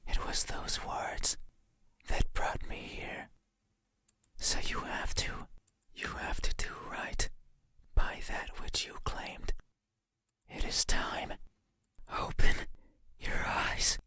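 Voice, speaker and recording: Slow whispering demon, acted out by a performer. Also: lightly acted. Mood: menacing, insistent. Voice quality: breathy unvoiced whisper. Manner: slow, deliberate, intimate, insistent. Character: menacing, pleading demon in a horror visual novel. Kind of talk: whispered ASMR-style game voice acting.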